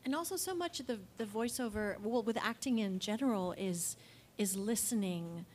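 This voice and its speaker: A woman's voice: medium pitch, moderate pace, slight background noise. A woman on a panel giving thoughtful advice about voice acting at a table mic. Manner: thoughtful, advising. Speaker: panel guest, voice actor. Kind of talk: casual panel chat. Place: indoor meeting room at a panel table. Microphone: table mic on stand.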